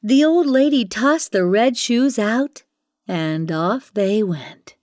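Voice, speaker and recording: Slow, animated woman storyteller. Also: fairly high pitch, no room sound, studio quality. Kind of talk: expressive children's fairytale narration.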